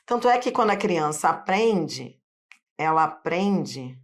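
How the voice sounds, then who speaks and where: A woman's voice: fairly low pitch, very animated, unhurried. A woman teacher with a Carioca accent from Rio, patiently explaining a phonetics lesson step by step. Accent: Carioca Brazilian Portuguese. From Rio de Janeiro. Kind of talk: online phonetics lesson at a board.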